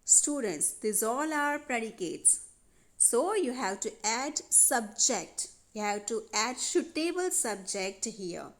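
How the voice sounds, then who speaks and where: A woman's voice: a little high, big pitch swings, takes it slowly, poor audio. A woman teaching a grammar lesson over a worksheet, patiently repeating instructions to students. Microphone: voice-over on handwritten worksheet video.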